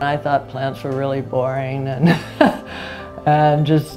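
Behind a woman's speech, music plays faintly. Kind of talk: interview answer. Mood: warm, reflective. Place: home room. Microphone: lapel.

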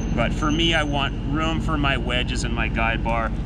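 A man keeps a moderate pace while loud background noise goes on. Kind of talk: tutorial. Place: open country.

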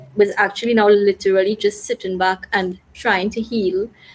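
A woman speaks with a Trinidadian accent. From Trinidad and Tobago. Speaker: educator and author. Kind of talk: interview. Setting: video call. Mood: reflective, recounting trauma. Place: home room.

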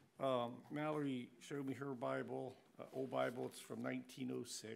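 A man talks over light background noise. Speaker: pastor or church leader. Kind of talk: welcome remarks and public prayer. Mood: warm, reverent. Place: church. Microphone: podium.

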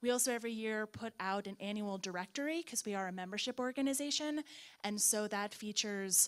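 Against a quiet background, a woman speaks very fast. Her pitch is fairly high, with ordinary variation. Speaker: nonprofit preservation specialist; presenter. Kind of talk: public presentation. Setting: town hall meeting with audience. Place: hall. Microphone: handheld.

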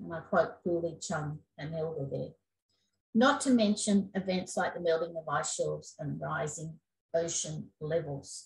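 A woman's fairly low voice with vocal fry and an Australian accent, over light background noise. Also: lively intonation, fairly slow pace. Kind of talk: keynote lecture. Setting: online video conference. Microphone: webcam.

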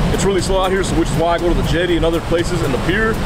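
Loud background noise sits under a dry sound with no echo, and the pitch varies in an ordinary way. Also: man. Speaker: fishing vlogger. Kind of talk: casual vlog chat. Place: beach.

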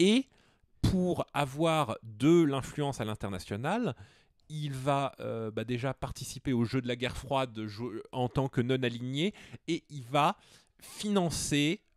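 A man talks at a very slow pace with lively intonation. The sound is dry with no echo, against a quiet background. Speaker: political commentary co-host. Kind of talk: casual explanatory chat. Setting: recorded video, offline. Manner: hesitant, many fillers. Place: home room. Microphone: handheld.

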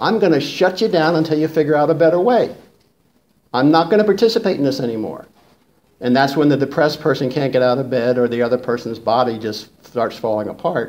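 Speaking at a very fast pace, a man uses a fairly high pitch and lively intonation. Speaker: licensed counselor. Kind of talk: live lecture / presentation. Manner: unscripted, conversational teaching style.

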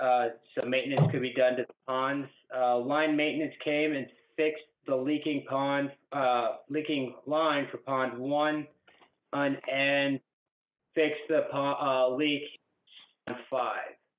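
Very slowly and with long, frequent pauses, a man speaks in a fairly high, monotone, flat voice. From Georgia. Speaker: fish biologist. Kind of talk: meeting report. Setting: teleconference. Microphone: phone line.

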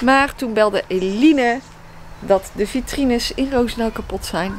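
A woman's high voice with lively intonation at a moderate pace, light background noise behind it. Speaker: family vlogger. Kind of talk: casual vlog chat. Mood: mildly frustrated, matter-of-fact. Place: garden. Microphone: phone near.

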